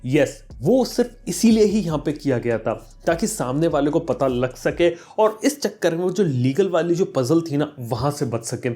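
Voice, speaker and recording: Guy doing a tech explainer vlog, kinda higher voice but mellow, chatty, throws in english words. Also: animated, moderate pace, few pauses. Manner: explanatory, addresses viewers directly, mixes in English terms. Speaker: tech YouTuber, host. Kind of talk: explainer vlog, conversational commentary.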